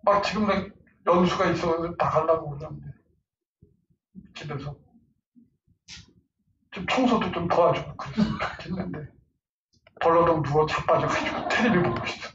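Animated high-voiced man lecturing. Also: normal speed, pauses often. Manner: animated, laughing, acts out angry outbursts. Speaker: parenting lecturer. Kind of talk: lively lecture with role-play examples. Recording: far-off roomy lo-fi lecture recording with faint noise.

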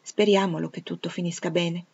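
A cautious old housekeeper gives careful, earnest counsel, read by a woman. Her tone stays measured and a touch sceptical, with steady emphasis. The recording sounds slightly muffled. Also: fairly low pitch, creaky, husky. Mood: warning.

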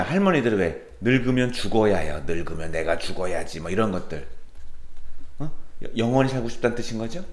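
A man teaching literature in a classroom, lecturing animatedly and firing questions at his students. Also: mid-range voice. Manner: animated, questioning students, quoting lines in a put-on voice. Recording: roomy classroom echo.

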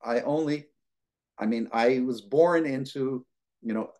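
A man in his sixties from the United States, answering questions as a guest lecturer on a video call from his living room, relaxed and rambling with many fillers. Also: mid-range voice, a little slow. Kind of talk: conversational Q&A answer.

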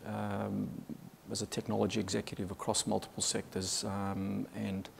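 Gravelly Australian man presenting. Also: on the low side, completely flat delivery, normal speed, slight background noise. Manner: hesitant, many fillers and restarts. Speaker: conference speaker. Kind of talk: business presentation. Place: conference hall stage.

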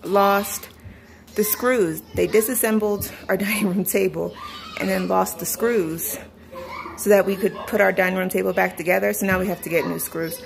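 A young woman vlogger walks through her house, filmed on a handheld phone, chatting casually about each room, laughing often and ranting now and then. Her mid-range voice has vocal fry, fairly even intonation and a normal speed. It's a noisy home recording from the phone camera as she walks.

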